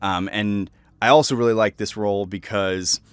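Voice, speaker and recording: Low-voiced young man, dry close sound. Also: fairly even intonation, moderate pace, smooth, no room sound. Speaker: voice actor. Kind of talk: casual reflective commentary on own roles.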